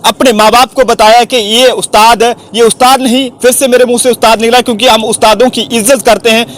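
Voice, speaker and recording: Very high-voiced male field reporter. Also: flat delivery, fast, fairly bright tone. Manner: rambling, fills gaps with "jo hai wo"; corrects himself mid-sentence. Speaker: journalist reporter. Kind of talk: field news report and interview.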